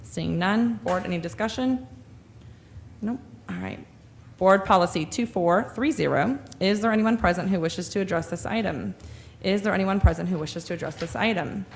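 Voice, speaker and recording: A woman chairs a school board meeting, moving quickly through agenda items in formal, repetitive procedural phrasing. She talks into a table microphone in a meeting room. A faint hum of noise sits under the recording. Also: fairly low pitch, gravelly.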